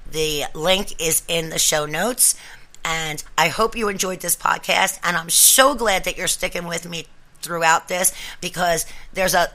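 A woman's voice: fairly low pitch, pushed and bright. A woman hosting a podcast, talking casually and directly to her listeners in an encouraging, instructive way. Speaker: podcast host.

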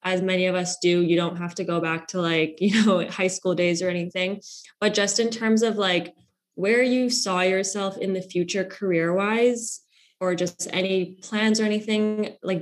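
A woman's voice: on the low side, steady tone, moderate pace. A young woman hosting a podcast in a casual chat, her sentences full of "like" and fillers. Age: young adult. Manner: filler-heavy, lots of "like". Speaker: podcast host.

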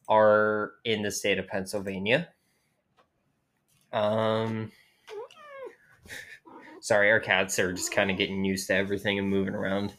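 A woman co-hosting a casual home podcast, reading out statistics haltingly with many fillers and swearing casually, her voice a bit worn. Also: rumbling low. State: losing her voice. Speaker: podcast co-host. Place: home, cats moving around.

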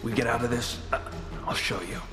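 An actor playing a calm, commanding masked superhero in a pulp radio drama, terse and unflappable. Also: male voice, mid-range voice, brisk, over loud music, lightly acted. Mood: curt, urgent.

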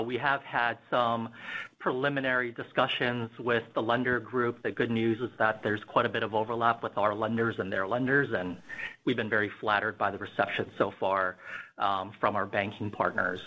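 A man's voice: lowish voice, flat delivery, moderate pace, pushed and bright. A man speaking as a company finance executive, giving unscripted answers to analysts on an earnings call. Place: conference call. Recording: dull, band-limited conference call audio.

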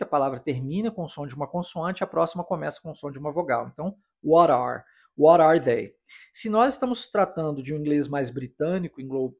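Man, English teacher, a touch high-pitched, patient explaining, drills phrases. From Brazil. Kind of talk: podcast language lesson.

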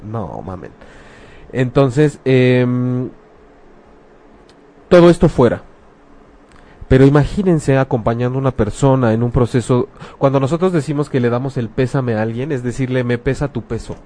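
A man's voice: mid-range voice, animated, moderate pace, pauses often, warm tone. A man with a Mexican accent talking frankly and casually, using slang and rhetorical questions. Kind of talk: casual talk about grief.

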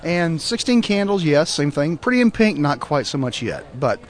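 A man's voice: fairly high pitch, very animated, normal speed. A man, a film critic, answering interview questions with dry jokes. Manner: dry, joking.

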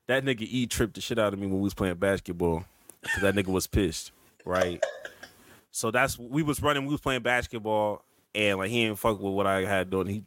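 A man's voice: fairly low pitch, a bit bright, no echo. A young man hosting a podcast, chatting casually and laughing often as he tells stories. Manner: laughs a lot, loose and playful. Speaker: podcast host. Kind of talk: casual chat.

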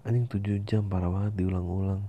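A man's voice: fairly even intonation, fast, mellow. A man hosting a podcast, reading listener emails aloud with informal, slangy asides and casual swearing. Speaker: podcast host. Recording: dull lo-fi audio with faint rumbling noise.

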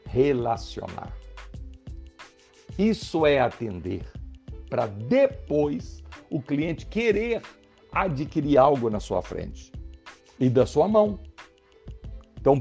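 A man's voice: fairly high pitch, vocal fry, mellow, breathy edge. A man with a Brazilian Portuguese accent giving a motivational sales training talk, emphatic and speaking straight to his listeners. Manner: emphatic, addresses listeners directly.

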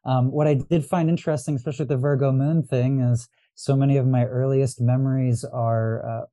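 A man with a deeply mellow, dark voice talks through his memories in a loose, rambling way, circling back with restarts. He sounds like a podcast guest in casual conversation. The recording is dry and close, with no room sound. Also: little pitch movement, a little fast, no echo. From Los Angeles. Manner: reflective, rambling, frequent restarts and fillers. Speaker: podcast guest, astrologer and diviner.

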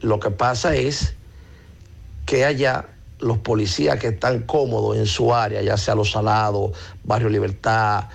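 A man from the Dominican Republic leaving a message for a radio show, calmly explaining his view on police. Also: lowish voice, a little slow, vocal fry. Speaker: caller.

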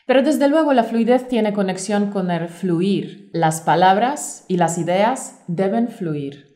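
Measured female teacher. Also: mid-range voice, animated, mellow. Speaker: Spanish teacher, podcast co-host. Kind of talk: scripted course presentation.

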